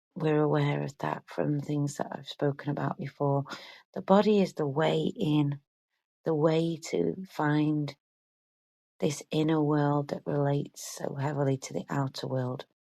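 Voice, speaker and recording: A woman speaks at a fairly slow pace in a dark, mellow tone with ordinary pitch variation. The recording is very clean, with a silent background and a dry, close sound with no echo. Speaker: meditation guide. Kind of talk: guided meditation. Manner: halting, with fillers.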